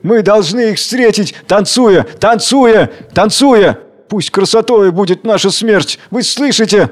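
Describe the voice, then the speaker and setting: A man voicing a young woman in black who shouts commands and cries out in outrage at cowards. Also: moderate pace, natural voice. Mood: defiant. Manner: shrill, commanding, tearful outbursts.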